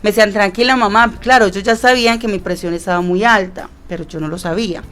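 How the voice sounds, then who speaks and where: A woman's voice: mid-range voice, fast, fairly bright tone. A woman, telling an emotional personal testimony on a Christian radio program and repeating phrases for emphasis. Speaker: guest sharing her testimony.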